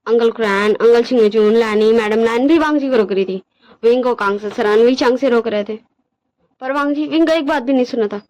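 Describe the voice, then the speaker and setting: Woman, storyteller, casual narration, high voice, chatty. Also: brisk, darkish tone. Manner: chatty, checks in with listeners.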